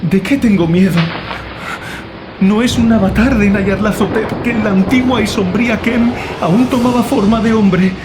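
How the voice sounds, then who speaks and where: A man voicing a terrified writer descending into madness in a horror audiobook, anguished, halting and fevered in his declamation. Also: high-pitched, background noise, lightly acted. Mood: fearful, feverish. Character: terrified male writer descending into madness, writing final frantic notes. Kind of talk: dramatized horror audiobook monologue. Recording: loud music under the voice. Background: loud music.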